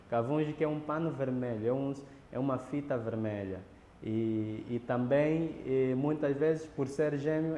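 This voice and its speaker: A man's voice: medium pitch, mellow, slight background noise. A man explaining ritual practice in a documentary interview, lecturing and often adding tag questions. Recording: roomy echo with long reverb.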